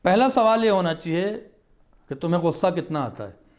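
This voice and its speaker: A man's voice: high voice, expressive, darkish tone. A man on a studio talk show, explaining marriage advice in an earnest, emphatic way. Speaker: religious scholar guest.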